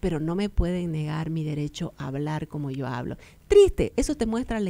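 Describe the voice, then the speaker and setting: A woman's dark, mellow tone at a moderate pace. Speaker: historian, museum director. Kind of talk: interview.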